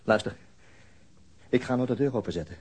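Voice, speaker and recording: An actor playing a reserved, self-mocking police detective with a halting way of talking, in a radio drama. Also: male voice, medium pitch, darkish tone, slightly rough, close to an everyday voice. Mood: firm, uneasy. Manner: hesitant, halting. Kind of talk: Dutch radio drama acting.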